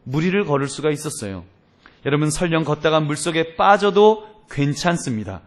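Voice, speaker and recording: A man's voice: on the high side, brisk. A male pastor preaching a sermon, addressing the congregation directly and acting out the voices in his stories. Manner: animated storytelling, acting out voices in quotes.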